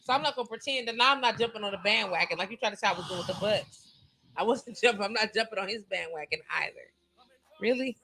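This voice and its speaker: A woman's voice: mid-range voice, quick pace, pushed and bright. A woman hosting a radio show, bantering casually and teasing her co-host, laughing often. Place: radio studio. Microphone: studio mic.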